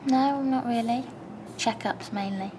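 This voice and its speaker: An actress in a TV drama playing a calm, sensible woman doctor who speaks reasonably. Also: on the high side, unhurried, a little hiss or hum, natural voice. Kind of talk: TV drama acting.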